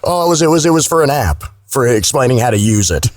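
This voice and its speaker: Male, Southern American, mid-pitched, folksy and plain-spoken podcast guest, recorded very dry. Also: big pitch swings, fast, dry recording, soft background music. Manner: folksy, colloquial, profane. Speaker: guest, voice-over artist. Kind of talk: casual podcast chat.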